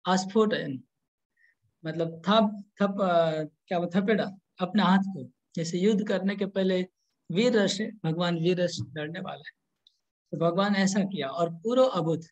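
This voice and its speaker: A man giving a scripture lecture, explaining slowly in short pieces with restarts, and chanting verses. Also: sits high, highs cut off. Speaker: spiritual lecturer.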